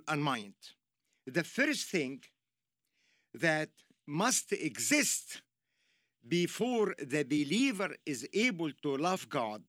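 Slow, lively Egyptian-accented preacher. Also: male voice, a little high, dry recording, clean studio sound. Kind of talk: sermon.

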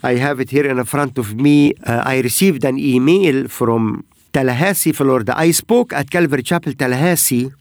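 Male host of a ministry program, middle-pitched voice, earnest and halting, dry close sound. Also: no echo. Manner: earnest, halting phrasing with frequent pauses. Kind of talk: broadcast ministry talk, sharing testimonies.

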